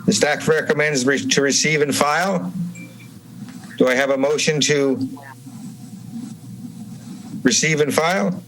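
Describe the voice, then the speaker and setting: Formal, halting chairman with a higher-pitched voice. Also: a bit bright, slight background noise, rough recording. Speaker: commission chairman. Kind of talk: formal meeting procedure. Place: remote meeting over Zoom.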